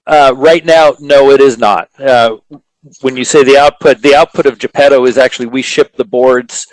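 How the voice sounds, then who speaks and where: A man with a mid-pitched voice answers technical questions about products. He explains in a measured way, stopping to think between phrases, and the sound is dry with no room echo. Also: steady tone. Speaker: company presenter answering questions.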